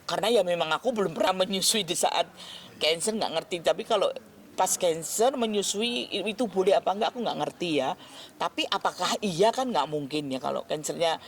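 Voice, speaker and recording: A woman, answering interview questions earnestly and haltingly, often restarting words. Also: fairly low pitch, a little hiss or hum. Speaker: celebrity guest being interviewed. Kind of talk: emotional interview talk.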